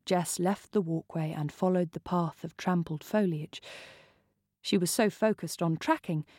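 A woman reading a novel aloud in slow, measured scripted narration. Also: lowish voice, warm tone, dry recording, clean studio sound. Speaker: reader.

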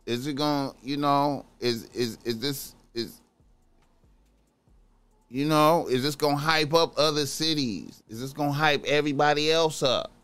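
A man's voice: a little high, a little slow, fairly bright tone, smooth. A man giving casual reaction commentary as a commentator, in slangy talk that keeps circling back to repeated phrases.

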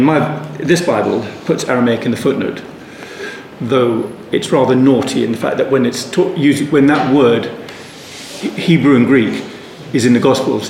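A man's voice: medium pitch, a little mellow. A man giving an unscripted Bible study talk, rambling thoughtfully with many restarts and asides. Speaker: Bible teacher. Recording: echoey room with faint ambient noise.

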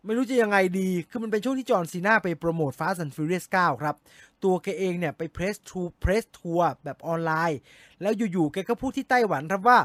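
A man hosting a casual movie news recap, chatty and given to sudden excited exclamations. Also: high-pitched, normal speed, no room sound. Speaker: movie news show host.

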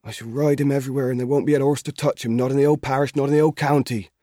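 A man's voice: medium pitch, rapid-fire, dry recording, clean studio sound, pitched above the performer's own voice, natural voice. A man voicing an eager, earnest thirteen-year-old farm boy in a storybook reading. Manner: excited, gentle, earnest. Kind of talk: audiobook character voice.

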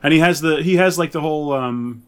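A man's voice: fairly high pitch, fairly quick, clean tone. A man co-hosting a casual pop-culture podcast, talking like an enthusiastic fan and thinking aloud as he goes. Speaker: podcast co-host.

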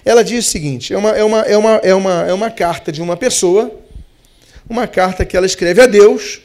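A man with a Brazilian Portuguese accent, preaching a sermon as pastor, stretching key words slowly and hurrying through asides. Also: sits high, darkish tone.

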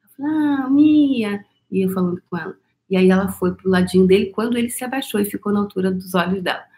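A woman's voice: medium pitch, level tone, very fast, dark tone. A woman with a Brazilian Portuguese accent talks to her viewers in a chatty, storytelling way, adding tag questions and laughs. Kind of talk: casual spoken monologue to viewers.

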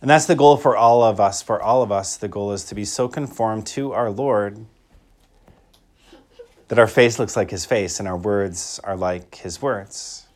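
A man's voice: fairly low pitch, a little slow. This is a man in the role of a Catholic priest, delivering liturgical reading and preaching. His manner is reflective. He often repeats a phrase to give it emphasis. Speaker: Catholic priest giving a homily. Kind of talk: liturgical Gospel reading and homily.

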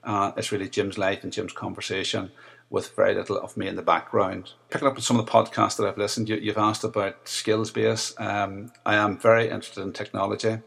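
Deep, gravelly Northern Irish man. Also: little pitch movement, brisk, a bit bright. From Northern Ireland. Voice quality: deep, rough voice. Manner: hesitant, many "uh" and "um" fillers. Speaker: listener sending in a voice message. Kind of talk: recorded voice message to a podcast host.

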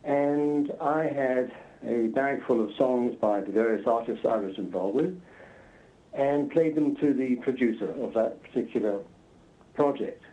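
Mellow male guest, slightly muffled recording. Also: medium pitch, measured pace. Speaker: interview guest, composer. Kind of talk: conversational anecdote telling. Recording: slightly dull, lo-fi sound.

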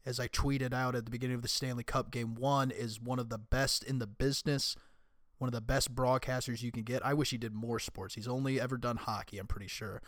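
A young man with a raspy, hoarse voice talks through a solo podcast, casual and conversational but emphatic when he makes a point. His pitch sits in a middle range. The recording is dry and close, with no room sound. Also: steady tone, fairly quick, a bit bright, no room sound. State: hoarse from screaming and illness. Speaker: podcast host.

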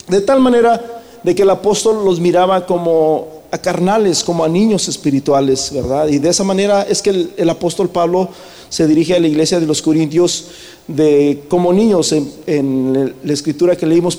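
A man's voice: fairly high pitch, normal speed, mellow, big-room sound. A man preaching a church sermon, often checking in with the congregation and slipping the word "brother" into his Spanish. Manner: questions the congregation often, tagging lines with "¿verdad?". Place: church hall.

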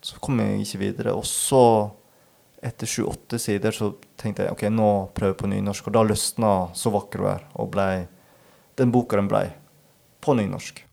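A man, an author and podcast guest, speaking in a thoughtful, halting way and often searching for his words. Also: lowish voice, fairly even intonation, creaky, a little mellow. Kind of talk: reflective interview talk.

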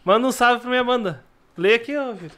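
Brazilian guy, pretty high voice, casual co-host chatter on a live stream. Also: fast talker, sharp tone.

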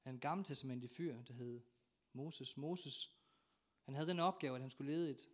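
A man preaching a sermon in a church, telling stories with dramatic acted-out voices and sudden shouts. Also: mid-range voice. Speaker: pastor.

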